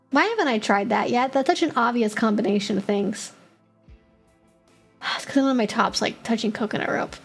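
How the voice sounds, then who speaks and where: Chatty high-voiced woman streamer. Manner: chatty, many filler words, thinks aloud. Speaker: streamer answering viewer questions. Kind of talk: casual live-stream Q&A.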